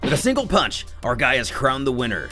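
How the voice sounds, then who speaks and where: A man's voice: mid-range voice, sing-song, brisk, pushed and bright, soft background music. A man narrating a scripted story recap in a dramatic storyteller's manner, with wry, joking asides. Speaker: narrator of a fan manga recap video.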